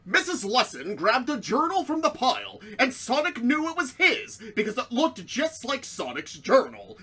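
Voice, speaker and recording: A young woman reading a silly story aloud in an animated, mock-dramatic way, as a comic co-host. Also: sits high, moderate pace, breathy edge.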